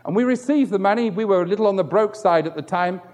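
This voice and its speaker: A middle-aged man preaching in a high, bright register, his words ringing out through a long church reverb. He tells stories and slips into the voices of the people in them, his pitch leaping up and down. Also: fast. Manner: storytelling, acts out quoted voices with wide pitch swings. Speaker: pastor. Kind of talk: sermon.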